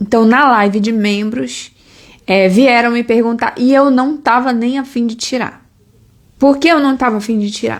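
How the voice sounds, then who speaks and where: A quiet, high-pitched woman's voice, fairly slow, with fairly even intonation. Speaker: tarot reader streamer. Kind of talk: live stream commentary. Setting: live stream. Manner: softened, quieter voice; tends to sound like shouting.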